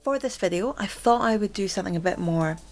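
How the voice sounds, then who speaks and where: A young woman hosting a casual vlog chat. She stammers, repeating words and filling pauses with "um" and "like". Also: medium pitch, expressive, faint music behind. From Scotland. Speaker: channel host.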